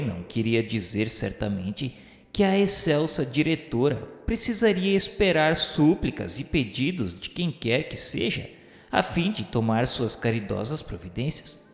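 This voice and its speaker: A man reading the narration of a radio serial in a solemn, measured way, with faint music behind him. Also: mid-range voice. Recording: reverberant room with faint music. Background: faint background music.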